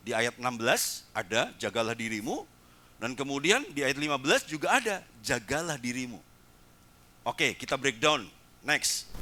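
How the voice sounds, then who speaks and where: A man preaching a sermon as pastor in a church service, animated, dropping English words in and urging the congregation to repeat after him. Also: medium pitch. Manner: urges the congregation to repeat phrases.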